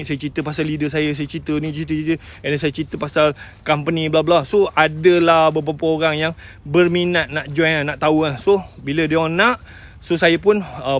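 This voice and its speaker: High-voiced Malaysian man telling a story. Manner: emotional storytelling, addresses listeners as tuan-tuan, mixes in English words. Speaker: sales agent sharing his story. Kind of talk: motivational live talk.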